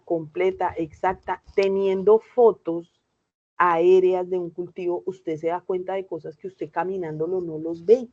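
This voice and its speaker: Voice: medium pitch, a little mellow. Colombian instructor on a muffled call. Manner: conversational, checks in with frequent "right?" tags. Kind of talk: online class lecture. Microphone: video call. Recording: slightly muffled online call audio.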